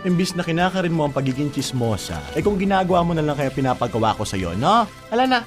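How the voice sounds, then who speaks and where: A man's voice: on the high side, sing-song, quick pace, music in the background. A male actor playing a sassy, effeminate gay older sibling in a Filipino radio drama, scolding and exclaiming. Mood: scolding, evasive.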